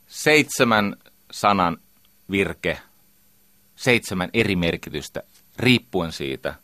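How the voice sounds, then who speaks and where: A man's voice: low-pitched, lively intonation, sharp tone, no room sound, clean studio sound. A middle-aged man giving a lecture as a communication trainer, emphatic and full of rhetorical questions.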